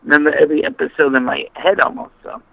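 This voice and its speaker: An older man calling in to a sports talk show over the phone, rambling and trailing off mid-sentence in a high-pitched voice. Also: fast talker, vocal fry, narrow, tinny audio, a crowd in the background. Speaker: caller. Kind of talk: casual call-in chat.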